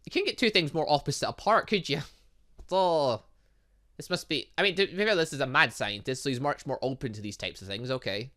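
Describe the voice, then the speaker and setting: A man's voice: medium pitch, a little fast, a bit bright. A man doing let's play commentary on a visual novel, reacting aloud and rambling off into asides. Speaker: gaming YouTuber reading a visual novel aloud.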